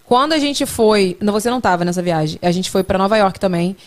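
A woman's voice: medium pitch, quick pace. A young woman hosting a podcast, telling stories with a joking, teasing manner. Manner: joking, teasing, animated storytelling. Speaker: podcast host. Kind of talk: casual chat.

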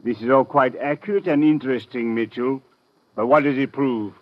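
An actor playing a smooth, evasive foreign businessman with formal, stilted phrasing in a 1950s radio drama. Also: medium pitch, normal speed, no room sound, lightly acted. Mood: coolly defiant. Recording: dull, dry vintage radio recording.

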